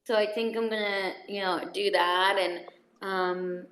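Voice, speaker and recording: A woman's voice: medium pitch, steady tone, unhurried, fairly bright tone, roomy sound, rough recording. A woman from El Salvador, an actress, chatting casually and rambling with many fillers and restarts. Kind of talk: casual video chat.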